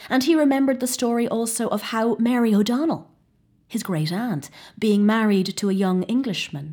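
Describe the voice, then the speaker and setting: A woman speaks with lively intonation and a somewhat breathy voice. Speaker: actor performing a story. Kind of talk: ghost story telling: hushed, eerie, dramatic narration of a Victorian tale. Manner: slow, measured and suspenseful, with a hushed, ominous tone and theatrical pauses; formal, period-style storytelling with dramatic emphasis.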